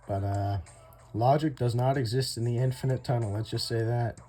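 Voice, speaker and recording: A man's voice: medium pitch, normal speed, warm tone. A young man giving casual, chatty commentary over his own gameplay, often laughing and talking to viewers as "guys". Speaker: gaming YouTuber. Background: faint game music.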